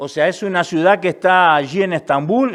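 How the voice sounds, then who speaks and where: A man talks at a fairly slow pace. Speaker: lay preacher. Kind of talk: sermon. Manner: hesitant with fillers.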